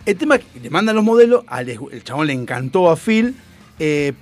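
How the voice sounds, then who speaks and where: Young Rioplatense man, animated storyteller, crude and playful, pitch jumping all over. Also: normal speed, faint music behind. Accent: Rioplatense Spanish. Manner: animated, crude slang, acts out quotes. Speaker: storyteller host. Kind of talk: casual storytelling chat.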